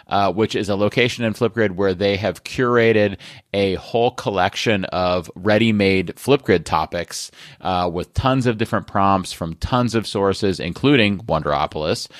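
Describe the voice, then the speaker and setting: Middle-aged male podcast host, deep voice, chatty and rambling, dry close mic. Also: no room sound. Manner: chatty, friendly, rambling with restarts. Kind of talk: solo podcast segment.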